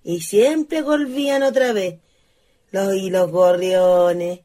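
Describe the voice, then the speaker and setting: An actress playing a chatty, wistful old spinster ghost in a radio play, with a rural Chilean accent and a folksy, exclaiming way of talking. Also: female voice, medium pitch, slow, warm tone, natural voice. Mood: indignant, reminiscing. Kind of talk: stage-style radio play acting.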